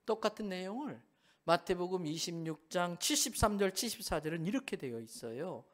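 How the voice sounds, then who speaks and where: A man's voice: sits high, lively intonation, brisk, fairly bright tone. A male pastor preaching a sermon in a church sanctuary, telling a story with animation and firing questions back at the congregation.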